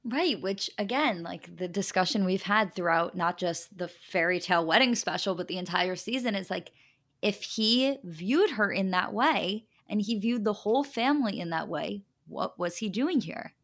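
Woman cohost on a podcast, medium pitch, opinionated casual chat, really leans on her points. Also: animated, moderate pace, fairly bright tone. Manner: emphatic, argues with rhetorical questions. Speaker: podcast co-host.

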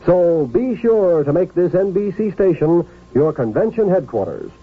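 A man's voice: high voice, expressive, normal speed, background noise. A man announcing a promo in 1950s radio style. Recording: muffled vintage radio recording.

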